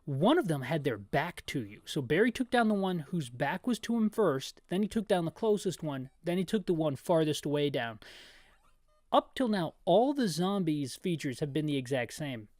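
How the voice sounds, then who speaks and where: A man with a slightly high voice gives a descriptive commentary on a video game. He is chatty and wanders into tangents, often rephrasing himself with playful deadpan humor. The sound is fairly dry. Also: moderate pace, no room sound. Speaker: host of a game playthrough.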